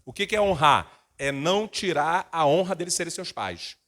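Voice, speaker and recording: A middle-aged male pastor preaching a sermon, acting out family members' voices in lively bursts. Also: on the high side, moderate pace.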